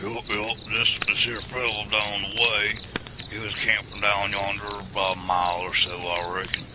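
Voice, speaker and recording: A man voicing a crusty old backwoods veteran with a thick rural Southern drawl, bossy and folksy. His voice sits low, and loud crickets chirp through the night recording. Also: level tone, normal speed, very noisy, lightly acted. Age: older. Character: crusty old Southern Vietnam vet, bossy, hard of hearing.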